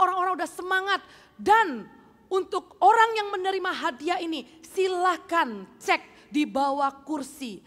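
A woman's voice: high-pitched, a bit bright, big-room sound. A woman preaching a sermon, telling a story and acting out its characters, slipping English phrases into her talk. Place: church hall.

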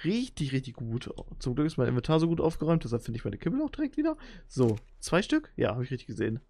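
A young man giving excitable, slangy commentary while playing a video game as a channel host. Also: medium pitch, quick pace, no room sound. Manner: excitable, slangy, frequent exclamations. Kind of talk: let's play commentary.

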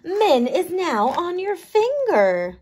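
A woman kindergarten teacher reading a picture book aloud, playful and expressive, leaning on key words. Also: very high-pitched, slow.

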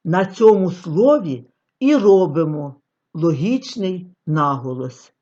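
A woman giving a scripted lecture on artistic reading, with expressive, declamatory delivery and long pauses. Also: fairly low pitch. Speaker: reading teacher. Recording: dull lo-fi recording.

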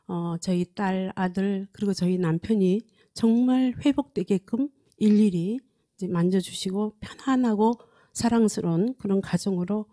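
A woman in her sixties from South Korea gives a personal testimony in an earnest, halting way, repeating phrases as she goes, speaking into a handheld microphone. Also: medium pitch, mellow. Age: 60s. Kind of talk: personal testimony at a prayer meeting. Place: indoor studio set, standing at a lectern. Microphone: handheld microphone close to mouth.

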